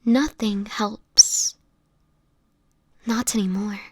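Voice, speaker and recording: A woman acts out an ailing, homeless female vampire in a dramatic audio roleplay. She speaks slowly and haltingly in a breathy voice that often sinks into a whisper. She sounds fragile, guilt-ridden and protective, pleading through her anguish, in a dry recording with no room sound. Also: mid-range voice, steady tone, a little mellow, dry recording. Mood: despairing, ashamed.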